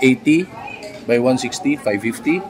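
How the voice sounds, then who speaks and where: Lively intonation from a man over noticeable background noise. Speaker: shopping vlogger. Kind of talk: casual vlog chat. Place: shop. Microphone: lapel.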